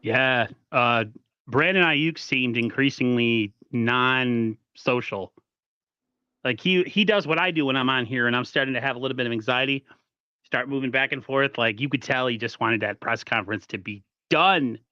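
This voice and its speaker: Guy hosting a sports podcast, bright forceful voice, dry dull-sounding mic, rambles a lot. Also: medium pitch, moderate pace, smooth, dry recording. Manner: animated, rambling with restarts. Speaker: podcast host. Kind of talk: casual sports talk.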